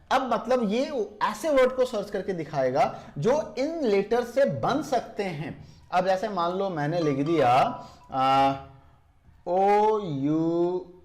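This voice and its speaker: A man teaching a computer tutorial. He explains each step, slows down to spell out definitions and asks viewers whether they are following. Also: high-pitched. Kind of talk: screen-recorded software lesson.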